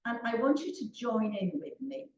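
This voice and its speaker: An older woman training teachers, leading a slow, emphatic interactive drama exercise over a video call. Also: fairly high pitch, darkish tone, roomy sound, dull audio. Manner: slow, emphatic, leads call-and-response chants. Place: home room on a video call.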